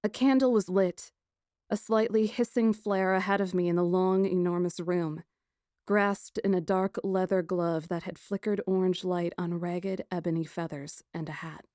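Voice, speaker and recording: A woman reading a first-person fantasy story as an audiobook narrator, dramatic and expressive. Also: lowish voice, moderate pace, dry recording, clean studio sound.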